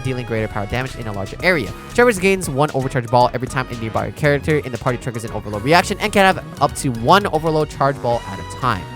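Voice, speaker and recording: A man's voice: medium pitch, fairly bright tone. A man giving casual live reaction commentary as a streamer, talking informally to his chat. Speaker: streamer reacting to a game character preview.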